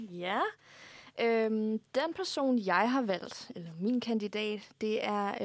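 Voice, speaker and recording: Recorded very cleanly against a silent background, a woman speaks at a very slow pace with ordinary pitch variation. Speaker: podcast host.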